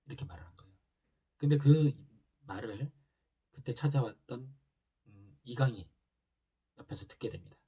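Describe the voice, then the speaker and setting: Husky-voiced man casually recapping a drama. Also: mid-range voice, moderate pace, pauses often, mellow. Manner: loose retelling with many fillers. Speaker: drama reviewer.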